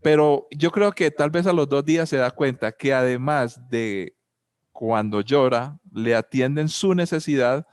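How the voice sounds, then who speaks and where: A man with a Colombian accent speaks at a measured pace in a mid-range, clean voice, recorded in a clean studio with no room sound. His reflective talk on family and spirituality is full of rhetorical questions and personal anecdotes.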